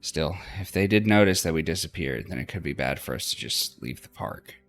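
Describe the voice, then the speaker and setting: Let's play host: male, very low, expressive range, reading narration with small stumbles over soft music. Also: brisk. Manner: stumbles over words and repeats lines. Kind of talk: reading game narration aloud.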